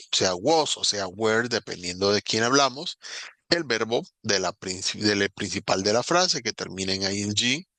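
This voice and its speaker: This man teaches English grammar patiently in a recorded online lesson, slowing his delivery to spell out examples. He speaks on the low side, in a pushed, bright voice, with no echo.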